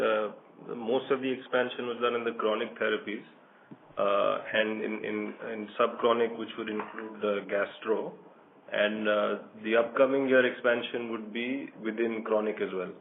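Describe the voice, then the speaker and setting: A man speaking as a company executive, answering questions on an earnings call in a measured, halting, explanatory way. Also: mid-range voice, fairly even intonation, creaky. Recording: narrow, noisy telephone conference line.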